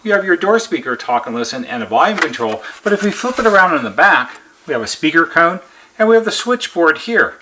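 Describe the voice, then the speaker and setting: A man's voice: fairly high pitch, very animated, fairly quick, noisy background. A man presenting as a repair technician, methodically explaining a hands-on procedure step by step and plainly repeating his points. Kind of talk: step-by-step instructional demonstration.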